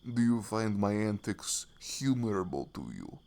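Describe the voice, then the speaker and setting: Man putting on a big goofy Russian guy, gravelly. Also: on the low side, a little slow, heavily acted. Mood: teasing. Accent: mock Russian. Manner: broken English, deadpan boasting.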